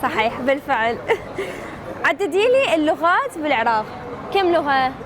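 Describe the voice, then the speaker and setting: A woman's voice: high-pitched, very animated, moderate pace. A woman with an Iraqi accent hosting a street quiz in a chatty, teasing, playful way. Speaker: street quiz show host. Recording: noisy busy public place, street and crowd sound.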